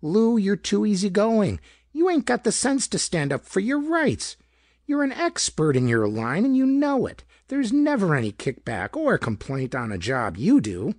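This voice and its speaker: A man's voice: high voice, huge pitch swings, moderate pace, a little mellow, no echo, clean studio sound, voice pushed up, exaggerated voice. A man voicing a nagging wife with a reedy, querulous whine and slangy, pushy talk, in a pulp detective story. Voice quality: reedy, whining. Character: nagging, whiny dyed-blonde wife, querulous.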